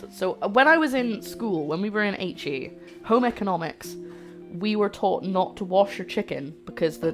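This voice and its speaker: Woman, young adult, light Scottish lilt, lower voice, rambling live-stream chat, home kitchen, soft music behind. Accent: light Scottish-English mix. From Scotland. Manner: chatty, rambling, talks to chat. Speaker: cooking streamer. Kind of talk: casual live-stream chat while cooking.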